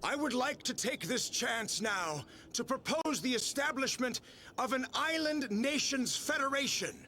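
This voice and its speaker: A man's voice: very high voice, expressive, unhurried, pushed and bright, slight background noise, full character voice. A man voicing the King of Obel, a stately ruler making formal ceremonial proclamations in a video game. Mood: solemn.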